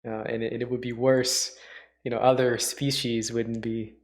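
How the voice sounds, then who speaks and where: A man hosting a livestream, giving casual off-the-cuff commentary in a halting, musing way. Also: medium pitch, flat delivery. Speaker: host, livestreamer reacting to radio dramas.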